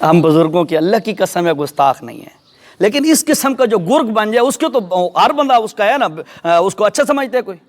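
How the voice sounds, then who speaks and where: A man preaches in a mosque, telling a story with lively, animated delivery. His voice sits high for a man. He often turns to ask his listeners whether they follow. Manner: animated storyteller, addresses audience directly. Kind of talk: sermon storytelling.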